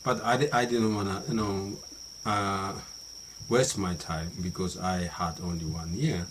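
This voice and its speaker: A middle-aged man from Japan with a Japanese accent, talking about how he learns English in a halting monologue full of restarts and "you know" fillers. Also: low voice, noisy background. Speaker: vlogger. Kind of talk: unscripted monologue practicing English.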